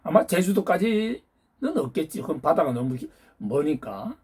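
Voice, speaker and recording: Husky man lecturing with rhetorical questions. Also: a little high, sing-song, moderate pace, darkish tone. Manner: peppers talk with challenging rhetorical questions; lecturing, hectoring tone toward listeners. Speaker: YouTube channel host. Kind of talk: ranting political monologue.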